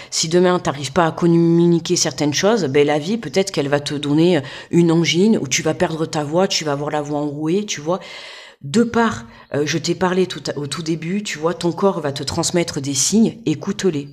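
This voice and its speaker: Woman, casual card reader, informal and talkative, addresses the listener directly and keeps checking in. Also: low-pitched. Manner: chatty, keeps checking in with "d'accord?" and "tu vois". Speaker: tarot guidance reader. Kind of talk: casual card reading to the viewer. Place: home desk.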